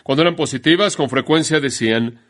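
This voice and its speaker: A man preaching a sermon in an emphatic way, slowing down to stress key phrases. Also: a little high, a bit bright.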